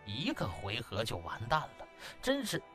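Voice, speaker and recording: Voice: medium pitch, sing-song, moderate pace, music in the background. A narrator reading a comic web novel in a theatrical, colloquial, exclamatory way. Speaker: audiobook narrator.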